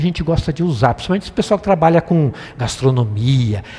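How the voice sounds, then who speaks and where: Lively intonation and a dark, mellow tone come through at a fairly quick pace. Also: man. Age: 60s. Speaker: preacher. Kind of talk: sermon. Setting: church. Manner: casual, conversational.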